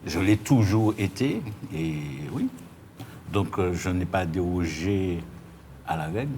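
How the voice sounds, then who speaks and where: A man's voice: low-pitched, animated, slow, warm tone. A man with a Martinican French accent answering interview questions, hesitating and repeating words as he explains. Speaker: interview guest, union leader. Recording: clear background noise.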